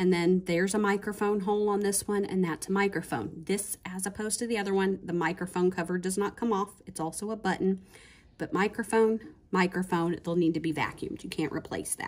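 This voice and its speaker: Her intonation stays fairly even as a woman speaks at a fairly quick pace. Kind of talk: tutorial. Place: office. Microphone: phone near.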